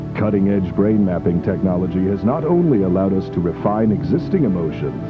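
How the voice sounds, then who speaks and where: A man voicing a male announcer in an old television commercial, giving a slick salesman's read of a product pitch. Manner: slick salesman's read, listing items one after another. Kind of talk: retro TV commercial voice-over. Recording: dull lo-fi clip over music. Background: music.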